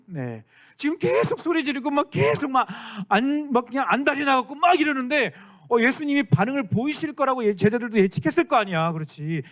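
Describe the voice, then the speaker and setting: Man, youth pastor, high voice, lively sermon, keeps checking in with the students. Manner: animated, keeps asking the room for agreement; acts out quoted lines in dramatic voices.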